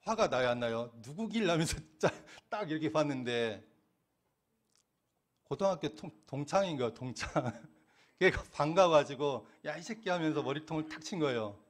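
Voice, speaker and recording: A man's voice: on the high side, animated, normal speed. A middle-aged man giving a sermon as a minister. He keeps putting questions to the listeners, then answers them himself with a laugh now and then. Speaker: Won Buddhist minister.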